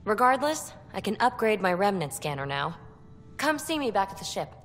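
A woman's voice: mid-range voice, sing-song, normal speed, a bit bright, a little hiss or hum. A woman playing an impulsive, guarded, wry young alien adventurer in a video game, with breezy, sardonic delivery. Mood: brisk. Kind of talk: video game dialogue acting.

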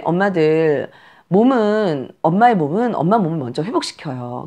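A woman instructor coaching new mothers on breastfeeding, speaking directly and emphatically, firing off blunt instructions. Her pitch swings widely and animatedly, and she keeps lapsing into little acted-out scenes. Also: creaky, a little mellow. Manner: direct, emphatic, uses commands and acts out scenes. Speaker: postpartum care and breastfeeding instructor.

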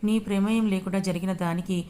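A woman's voice: mid-range voice, fairly even intonation, fast, dark tone, a little hiss or hum, lightly acted. Comforting mother, read by a woman. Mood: tender. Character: loving mother, comforting middle-aged woman.

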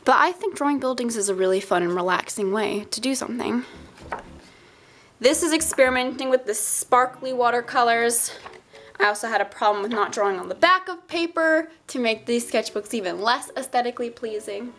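A young woman art YouTuber, nose stuffed up, walks viewers through her sketchbook in chatty, rambling fashion, teasing herself along the way. She talks fairly quickly in an expressive, high-leaning, fairly bright voice, with a little hiss or hum on the recording.

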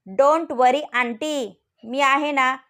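A woman's voice: sits high, very slow, a bit bright, full character voice. A woman voicing a cheeky, bold college girl.

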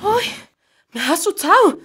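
A woman's voice: very high-pitched, very animated, a little slow, fairly bright tone, full character voice. An actress playing a spirited, outspoken young working-class woman in an audio drama. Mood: startled, indignant.

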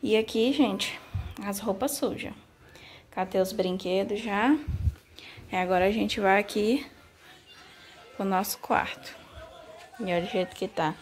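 A woman's voice: medium pitch, measured pace, pauses often. A young woman from Brazil with a Goiás accent, chatting casually to her phone camera while she walks through her small house tidying up. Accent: Goiás Brazilian Portuguese. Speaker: vlogger. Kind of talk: casual home vlog, talking to camera. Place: small tiled house, indoors. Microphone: handheld phone at arm's length.

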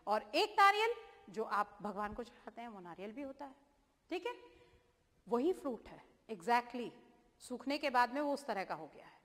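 A woman's voice: fairly high pitch, very animated, moderate pace, fairly bright tone, big-room sound. A woman teacher, naming fruits, spelling each one out letter by letter and asking her students questions.

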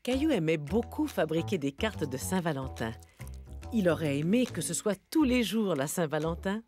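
Low-pitched woman narrator over music. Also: very animated, normal speed, a little mellow. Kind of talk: scripted children's story narration.

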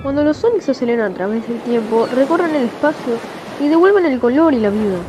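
A woman's voice: sits high, expressive, quick pace, background noise. A woman voicing an earnest, curious young male fox sidekick who explains things in a fan dub of game cutscenes. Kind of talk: Latin American fandub of game cutscenes.

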